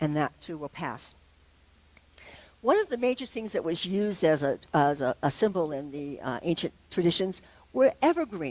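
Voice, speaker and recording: Her intonation lively and her tempo moderate, a woman talks in an unremarkable speaking voice. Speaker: minister. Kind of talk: sermon talk.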